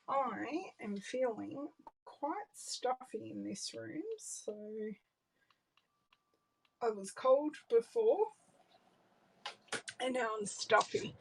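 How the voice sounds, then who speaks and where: Recorded at low quality with a little hiss or hum, a middle-aged Australian woman with a voice on the high side chats casually through a live card-making stream. She greets viewers, thinks aloud in a relaxed way while working in her home craft room, and an overhead camera shows her hands on the desk.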